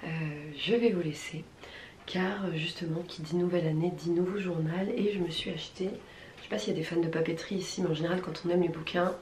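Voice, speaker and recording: A French woman chatting casually in a vlog, her voice husky with a smoker's rasp. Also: lowish voice, fairly even intonation, fast, darkish tone, roomy sound, slight background noise. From France, from Rouen. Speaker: vlogger.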